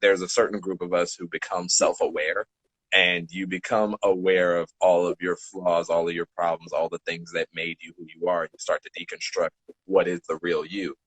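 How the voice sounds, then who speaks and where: A man's voice: deep voice, level tone, moderate pace, a bit bright, breathy edge, dry recording, low-quality recording. A man in a casual podcast chat, explaining things in a rambling way and rephrasing as he goes. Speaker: podcast speaker.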